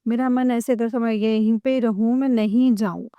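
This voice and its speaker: A woman's voice: on the high side, steady tone, normal speed, clean tone, dry recording, dull audio. A woman tearfully sharing a devotional testimony, emotionally addressing the congregation again and again. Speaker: devotee sharing her experience.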